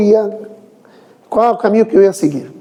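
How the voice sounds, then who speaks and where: A man talks over noticeable background noise. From Brazil, arrived from Chile at about ten. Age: 50s. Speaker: spiritist lecturer. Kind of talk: religious talk. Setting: in person, hall with audience. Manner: animated, informal.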